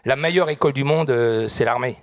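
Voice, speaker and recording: A man's voice: medium pitch, brisk, no room sound. A middle-aged man from France, answering a studio interview with many fillers and growing earnest as he speaks. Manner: hesitant, many fillers, grows more earnest. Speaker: guest, restaurant group founder. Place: studio set with audience. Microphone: handheld mic.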